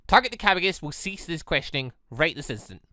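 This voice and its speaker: Game role: evasive, cold female machine, read by a let's play host, formal and halting, bright tone. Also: medium pitch, very animated, no echo, clean studio sound. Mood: cold, defensive.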